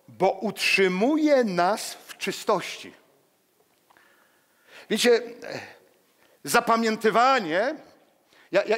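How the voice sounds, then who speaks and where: A man in his sixties, a pastor, preaching a lively sermon with personal stories to a congregation, acting out the quotes as he moves among the pews. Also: high voice. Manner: animated, walks among the pews, acts out quotes. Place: church hall. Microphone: headset mic. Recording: long church reverb.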